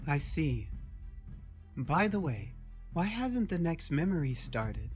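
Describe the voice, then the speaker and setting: A man's voice: a little high, big pitch swings, slow pace, soft background music, voice pushed up. A man voicing a composed, inquisitive female doctor with a questioning, matter-of-fact manner in a narrated sci-fi story.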